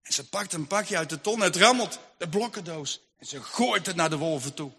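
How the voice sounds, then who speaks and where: Bright-voiced male storyteller with hall reverb. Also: a little high, lively intonation, moderate pace, husky. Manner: vivid, rhythmic telling with lists. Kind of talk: dramatic Christian story narration. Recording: long hall reverb, faint music.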